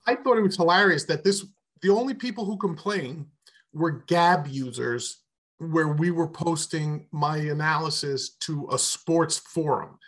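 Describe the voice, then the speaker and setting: Blunt man with a high voice. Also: measured pace, fairly bright tone. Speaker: podcast co-host. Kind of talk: casual sports chat.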